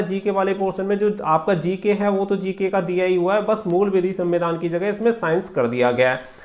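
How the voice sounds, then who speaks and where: A man giving informal exam guidance as a channel host, explaining and repeating points with English terms mixed in. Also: high-pitched. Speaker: exam preparation coach and YouTube channel host.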